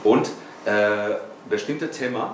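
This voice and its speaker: Older man with a Spanish accent, deep. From Spain. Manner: halting, searching for words. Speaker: audience member. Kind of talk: audience question in a panel discussion. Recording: echoey room, voice from far off, noisy.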